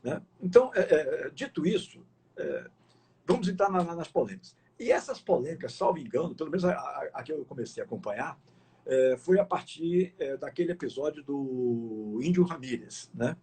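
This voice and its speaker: A man's voice: on the high side, big pitch swings, moderate pace, a little mellow, slightly rough. A middle-aged man hosting a casual live interview, rambling with fillers and restarts and turning indignant at times. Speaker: host of a live sports interview.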